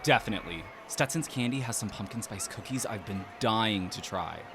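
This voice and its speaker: Low-voiced, easygoing young man. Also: lively intonation, normal speed, over music. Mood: cheerful, easygoing. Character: easygoing young man, friendly but hesitant, slightly wistful. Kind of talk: natural audio drama acting. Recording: clear outdoor ambience noise behind voice.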